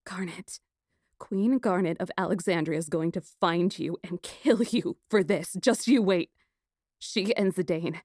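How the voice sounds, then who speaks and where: A woman's voice: on the low side, a little slow, a little mellow, slightly rough, no room sound, studio quality. A woman voicing a proud, hot-tempered young princess in an audiobook, imperious and full of emotion. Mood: tearful threat. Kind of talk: audiobook character acting.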